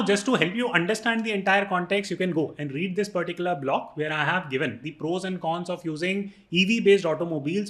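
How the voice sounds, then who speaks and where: A man's voice: a little high, sharp tone. A man with an Indian accent giving a conversational explainer to viewers, posing questions and answering them, with occasional Hindi phrases mixed in. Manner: mixes Hindi phrases into English. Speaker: video presenter explaining investing.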